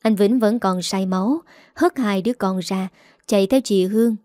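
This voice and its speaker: A woman narrates a family story in a steady, even reading voice. Her tone is warm and mellow. The sound is dry and close, with no room echo. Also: mid-range voice, normal speed.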